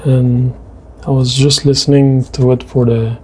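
With a mid-range, darkish voice, level tone, and measured pace, a French Canadian man whose first language is French narrates a drawing video. He chats casually about the artwork and what he likes, hesitant and frequently starting over, with slight background noise.

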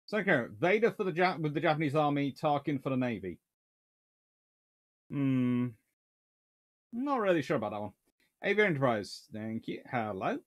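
A man in his thirties hosting a casual livestream from his home study, reading out viewer comments and rambling through answers with restarts. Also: medium pitch. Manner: rambling, animated, with many restarts and fillers. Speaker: naval history livestream host. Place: small home study with shelves of books.

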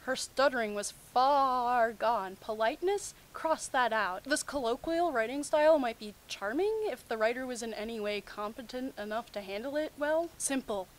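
A woman's voice: fairly high pitch, moderate pace, few pauses, low-quality recording. A young adult woman hosting a mocking read-aloud of fan fiction, with sarcastic, incredulous asides. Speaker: host of a comic fan fiction reading series.

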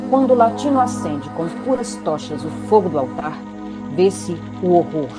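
A woman's voice: fairly low pitch, very animated, normal speed, over loud music. A woman with a Brazilian accent reading scripted narration for an epic audio drama.

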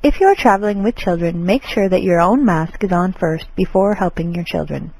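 A woman playing a composed, polite flight attendant reading a formal, measured airline safety announcement. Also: lowish voice, darkish tone, slightly rough, dry recording, poor audio. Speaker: flight attendant in a listening lesson.

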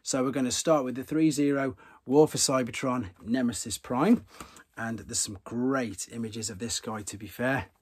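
A man in his thirties hosts a casual toy news vlog for his toy channel, recorded close up in a room with toy shelves behind him. He is chatty and enthusiastic and often repeats himself, speaking at a moderate pace in a husky, medium-pitched voice.

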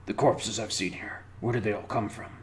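A man voicing a gruff, deep-voiced amnesiac hero, speaking low and measured. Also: steady tone, a little hiss or hum, natural voice. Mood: wary.

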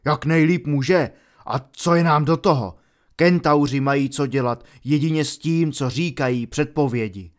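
A man voicing a proud, angry male centaur in an audiobook, booming and scolding. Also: steady tone, natural voice. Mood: furious. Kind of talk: audiobook character voice.

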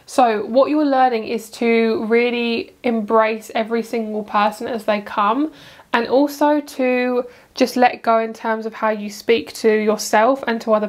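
Chatty woman reading tarot. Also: fairly high pitch. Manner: chatty, rambling, self-interrupting with asides. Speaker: tarot reader. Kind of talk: casual pick-a-card tarot reading.

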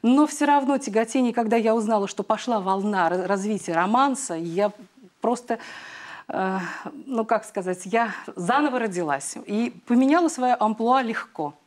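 A woman's voice: on the high side, lively intonation, moderate pace, a little mellow. A middle-aged woman, a singer, answering interview questions in a TV studio, chatty, with frequent hesitations, on a lapel mic. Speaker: guest singer.

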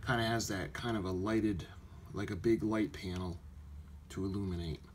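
Low-voiced man with noticeable background noise. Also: fairly even intonation. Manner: halting, thinking aloud. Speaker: hobby model builder, video host. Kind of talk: casual hands-on tutorial narration. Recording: noisy handheld home video sound.

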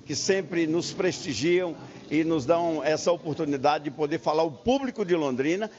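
A man's voice: on the high side, moderate pace, a little mellow. An older man, president of a lottery federation, chatting upbeat and folksy in a live TV interview inside a busy lottery shop, into a handheld mic. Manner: folksy, upbeat salesman talk. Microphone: handheld reporter mic. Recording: muffled broadcast field audio.

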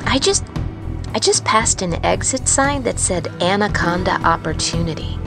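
A woman playing a wary, haunted truck driver in an intimate, confiding, halting audio-drama monologue. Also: lowish voice, lively intonation, vocal fry. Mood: wry, confiding. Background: music.

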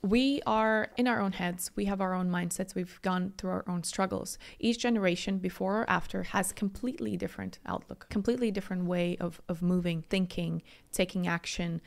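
A calm woman with a slightly low voice hosts a podcast in a small studio. She asks thoughtful, probing follow-up questions. She is recorded close on a boom-arm mic. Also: moderate pace, vocal fry, hardly any pauses. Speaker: podcast host. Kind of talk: casual interview talk. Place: small bright studio room with a window. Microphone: boom-arm podcast microphone.

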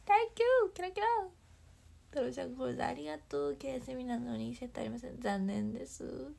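A young woman chats bubbly and warmly through her livestream, reading out comments and thanking viewers. Her voice sits a little high with a gravelly, husky texture. She drops now and then into soft, whispery asides. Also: fairly even intonation, fast talker. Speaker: idol livestreamer.

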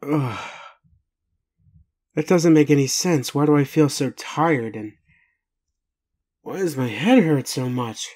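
A man plays a gentle werewolf man in an intimate roleplay audio. He talks very slowly at a medium pitch, halting and groggy. His manner is that of a tender, doting caregiver who doubts what he is told. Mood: doubting, tired.

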